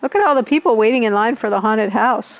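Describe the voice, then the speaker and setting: In an American accent, a woman with a plain, everyday voice speaks at a fairly high pitch with ordinary pitch variation. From US, Maryland. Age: 60s. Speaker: game streamer. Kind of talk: live gameplay stream with chat. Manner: casual, rambling with fillers.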